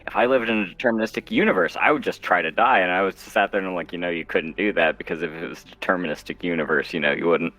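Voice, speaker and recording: A man's voice: sits low, fast, hardly any pauses, sharp tone, low-quality recording. A man from Oregon chatting casually as an interview guest, rambling wryly and acting out his own thoughts. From Oregon, United States. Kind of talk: casual chat.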